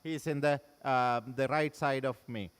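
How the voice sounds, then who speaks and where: Halting Sri man in a hall. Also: medium pitch, steady tone, clear, resonant tone. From Sri Lanka. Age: middle-aged. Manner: halting, repeats and restarts phrases. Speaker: panel moderator. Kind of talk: opening remarks at a panel. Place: large conference hall. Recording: long reverb of a conference hall.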